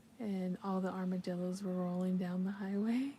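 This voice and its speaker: The voice has a dark, mellow tone and is somewhat breathy. It speaks in a monotone, flat intonation with an American accent. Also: woman. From US, Colorado. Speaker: crochet livestreamer. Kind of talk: casual livestream chat while crafting.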